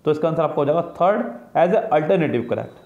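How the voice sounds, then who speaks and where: Guy doing an exam grammar class, slightly high voice, keeps repeating questions back, muffled echoey recording. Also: lively intonation, normal speed. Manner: explains step by step, repeating questions and answers. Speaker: English teacher. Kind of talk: exam-prep grammar lesson. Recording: roomy, dull lo-fi sound.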